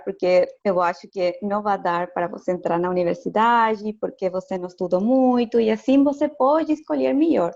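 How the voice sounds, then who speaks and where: In a casual video call interview, a medium-pitched woman from Chile, an education lecturer and native Spanish speaker, talks in cautious, hesitant Portuguese with a Chilean Spanish accent. She laughs often, and the audio lacks high frequencies.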